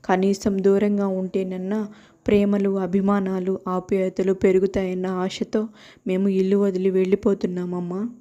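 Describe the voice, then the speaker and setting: A woman voicing an earnest, resolute young husband addressing his mother in a measured, pleading way, on muffled audio. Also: medium pitch, monotone, mellow, voice pushed down, close to an everyday voice.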